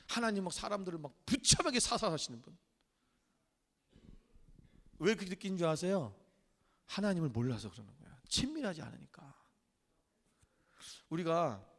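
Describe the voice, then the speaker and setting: A male pastor preaching a sermon, animated and acting out the voices he quotes. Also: on the high side. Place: church sanctuary. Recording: church hall with long reverb.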